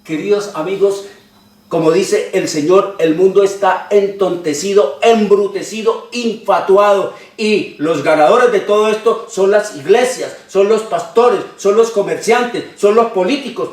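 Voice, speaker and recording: A man preaching a sermon in long repeated lists, often pausing with "eh". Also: sits high, darkish tone. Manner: frequent hesitations with "eh". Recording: roomy, distant from the mic.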